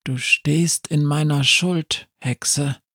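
Storybook cave creature read by a man, measured and slow, guarded. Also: a little high, fairly even intonation, a bit bright, breathy edge, no echo, clean studio sound, pitched above the performer's own voice, heavily acted. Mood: hushed. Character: proud, wary creature of the caves.

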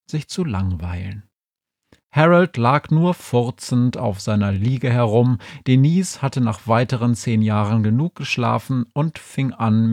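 A man reading a humorous story aloud with a lively, dry-humored delivery. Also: medium pitch, no room sound.

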